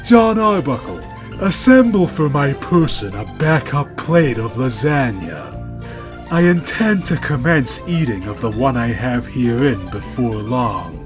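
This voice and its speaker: A man's voice: mid-range voice, very animated, measured pace, over music, voice pushed up. A man voicing a haughty, grandiose cartoon cat with pompous, mock-formal declamation. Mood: imperious.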